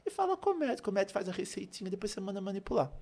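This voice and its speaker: A Brazilian man with a slightly high-pitched voice talks as a guest expert on a podcast. He explains things in a didactic, conversational way, repeating phrases for emphasis and asking questions that he then answers. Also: sing-song, very fast, a little mellow. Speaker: guest pharmacist on a health podcast. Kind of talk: animated explanatory podcast talk.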